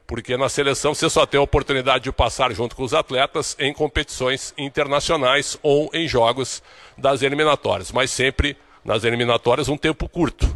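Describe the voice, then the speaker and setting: A man giving a steady, informative sports report as correspondent for a radio show. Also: medium pitch.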